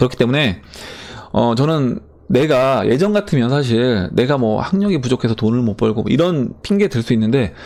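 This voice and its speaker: With a medium pitch, a man talks at a moderate pace. His pitch swings very widely. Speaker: crypto investment YouTuber. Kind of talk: Q&A commentary to viewers.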